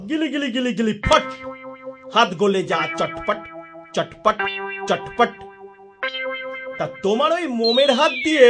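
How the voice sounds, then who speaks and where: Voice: mid-range voice, expressive, unhurried, pauses often, over music, natural voice. An actor playing a bold, cheeky boy magician in a children's cartoon. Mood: taunting. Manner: taunting, chanting spells.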